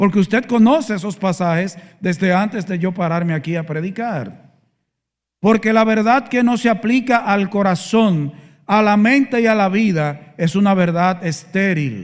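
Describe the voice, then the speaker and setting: The speaker has a Dominican accent. The pitch moves with ordinary variation. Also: man. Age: 60s. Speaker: pastor. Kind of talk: sermon. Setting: church.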